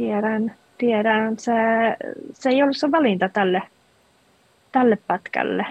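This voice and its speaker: A woman's fairly high voice at a very slow pace, with long, frequent pauses and very even loudness. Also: ordinary pitch variation. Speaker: energy healer. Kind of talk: healing session. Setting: video call.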